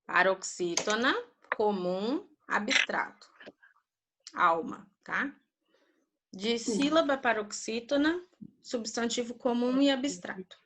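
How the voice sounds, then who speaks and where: A female primary school teacher leads an online lesson over a video call. She goes through grammar terms patiently and repeats words slowly for the children. Her voice is bright and clear and sits fairly high.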